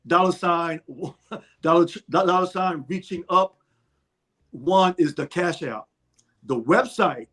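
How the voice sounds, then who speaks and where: A man giving casual event details as an interview guest, halting often and correcting himself as he goes. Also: on the high side, a bit bright. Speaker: interview guest promoting a stage play. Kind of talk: casual spoken announcement.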